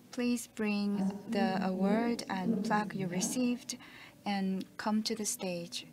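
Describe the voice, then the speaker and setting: Female interpreter, slow and halting, relaying stage directions at a ceremony. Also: medium pitch. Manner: hesitant, slow, with fillers and restarts. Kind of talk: live interpretation of event announcements.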